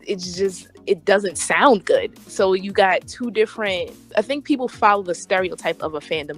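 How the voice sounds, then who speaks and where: A woman's voice: mid-range voice, fairly bright tone. A woman guest on a discussion podcast, giving her opinions casually in a frank, emphatic way. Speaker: podcast guest, fanfiction writer.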